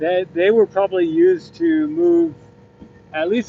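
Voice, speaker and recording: A man's voice shows ordinary pitch variation. Noticeable background noise runs underneath. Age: 40s. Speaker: livestreamer. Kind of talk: casual live commentary. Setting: outdoors. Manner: halting.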